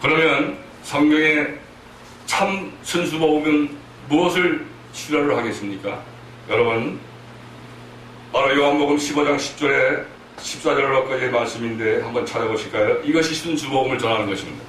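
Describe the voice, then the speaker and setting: A man's voice: mid-range voice, normal speed, fairly bright tone. Man, preaching a sermon, earnest, emphatic, rhetorical questions, distant mic, strong hall echo, faint background hiss. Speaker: missionary preacher. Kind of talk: sermon at a prayer meeting. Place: church hall. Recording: echoey hall from far off, faint noise.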